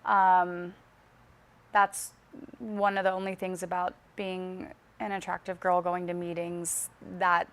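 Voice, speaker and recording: A young woman singer being interviewed, speaking slowly and carefully enunciating each word in a relaxed, chatty way. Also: lowish voice, clear, resonant tone. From Las Vegas. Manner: slow, carefully enunciated speech. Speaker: singer guest. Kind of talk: casual interview chat.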